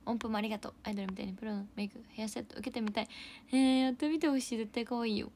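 A young woman chats on her livestream in a bubbly, thankful way and reads out comments one after another. Her voice sits at a middling pitch. She often sinks to soft, whispery murmurs between brighter lines. A faint steady hum lies under the close-miked voice. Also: rapid-fire. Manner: bubbly, thanks viewers for gifts, drops into soft whispery asides. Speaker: idol livestream host. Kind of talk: casual livestream chat reading viewer comments.

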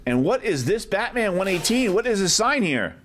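This vlog host, a comic collector, chats loosely while walking through a crowded medium-sized shop, recording on a handheld camera in his own hand and frequently adding questions to what he says. He sounds high-voiced and very animated, speaking at a moderate pace amid a lot of noise.

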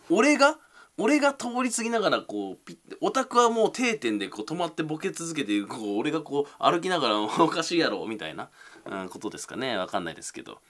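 A man's voice: mid-range voice, very animated, fast, fairly bright tone. A young man, reading viewer comments aloud on a casual livestream and answering them with self-deprecating, mumbled asides.

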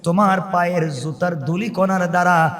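A man preaching a waz sermon, fervent, rising into high chanted cries and sung recitation. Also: normal speed, a bit bright, big-room sound.

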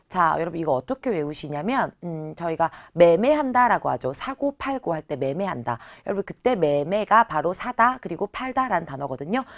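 A woman in her thirties teaching a beginner Chinese lesson, who stretches out model words slowly and says them louder for practice. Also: on the low side. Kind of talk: online language lesson.

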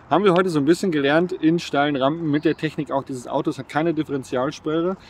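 A man in his thirties casually presenting tips to viewers, upbeat and talking with his hands, recorded outdoors on a gravel lot. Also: fairly high pitch, steady tone, fairly quick, slight background noise. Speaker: vlogger presenting driving tips. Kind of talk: casual explanatory vlog talk. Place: outdoors on a gravel lot beside a camper van.

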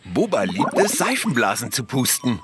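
A man voicing a friendly, excitable dad in a German cartoon dub. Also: mid-range voice, moderate pace. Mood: kindly, proud. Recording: studio voice under loud music.

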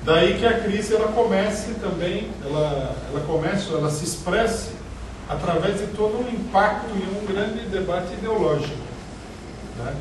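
Brazilian man lecturing in an echoey room. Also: high voice. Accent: Brazilian Portuguese. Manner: measured, lecturing with many pauses and restarts. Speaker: party leader giving a lecture. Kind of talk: political lecture. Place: small meeting room indoors. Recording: echoey room, picked up from a distance, noisy.

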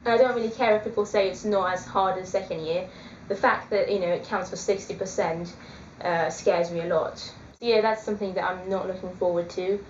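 This is a twenty-something woman vlogger in casual conversation with her webcam, hesitant and full of ums. Her medium-pitched voice is fairly quick with fairly even intonation, captured in an echoey small room on dull lo-fi audio with a little hiss or hum.

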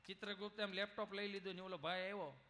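A man's voice: high voice, steady tone, fast talker, bright, forceful tone. A man doing chatty, teasing stage humor storytelling at a live show, talking straight to the crowd. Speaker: stage comedian.

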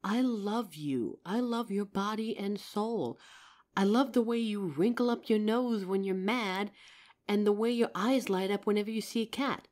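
A woman's voice: medium pitch, a little slow, a little mellow, close to an everyday voice. A woman playing a loving, protective girlfriend in an intimate comfort roleplay, tender and earnest with some teasing. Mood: affectionate, teasing. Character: loving, protective girlfriend reassuring her partner. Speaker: audio roleplay performer.

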